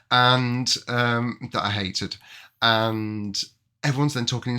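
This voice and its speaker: Bright and sharp in tone, a man at medium pitch sounds animated on a very clean recording with a silent background. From Yorkshire, northern England. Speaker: podcast host. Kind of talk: casual chat.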